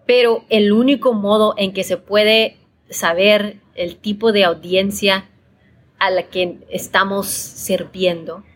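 A woman born in El Salvador speaks as an interview guest about making podcasts. She talks in a thoughtful, conversational way, often repeating herself and checking in with her listener. Her voice sits at a middle pitch. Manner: thoughtful, repeats words, frequent tag questions.

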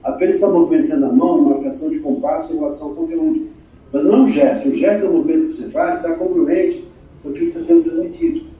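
A man hosting a podcast interview as a communication coach, talking in an animated, emphatic way and acting out quoted voices. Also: a little high, very fast. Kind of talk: conversational interview, teaching with examples. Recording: very echoey room, distant mic.

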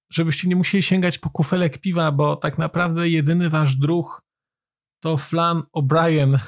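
A man giving a relaxed, playful book recommendation as a reviewer. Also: a little high, gravelly. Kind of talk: casual book commentary.

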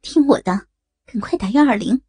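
A woman voicing a friend who gives hurried, insistent advice on the phone. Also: on the high side, mellow, breathy edge, dry recording. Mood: urgent. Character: brisk woman friend giving firm advice.

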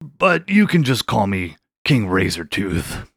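A vast, ancient king of the sharks, as a man puts him on for a storybook, with a deep growling voice. He speaks slowly and solemnly with grand formality. The sound is close and dry. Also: very animated, creaky, fairly bright tone, husky, no room sound, full character voice. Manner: slow, solemn, stately speech. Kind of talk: storybook character voice.

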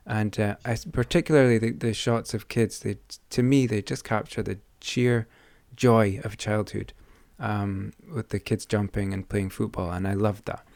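A man's voice: fairly low pitch, steady tone, moderate pace, vocal fry, hardly any pauses, darkish tone, no echo. A man hosting a photography podcast, talking in a friendly, hesitant way with many fillers. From United Kingdom. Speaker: podcast host. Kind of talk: casual interview.

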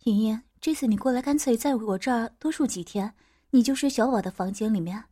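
A woman's voice: on the high side, brisk, mellow, natural voice. A woman voicing a brash middle-aged woman who talks bluntly and coarsely, as she reads an audio story. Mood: friendly. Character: brash middle-aged woman, foul-mouthed big sister.

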